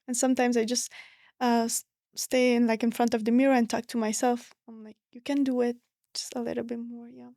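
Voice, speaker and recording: A teenage girl from Afghanistan answering interview questions sincerely, pausing with fillers. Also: on the high side, dry recording, studio quality. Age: teens. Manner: steady and sincere, with hesitant fillers. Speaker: guest.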